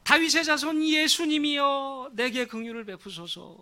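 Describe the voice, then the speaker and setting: A man voicing a blind male beggar who cries out loudly and desperately for mercy in a sermon retelling. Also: extremely high pitch, animated, moderate pace, pitched above the performer's own voice, exaggerated voice. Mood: pleading. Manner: loud pleading cries.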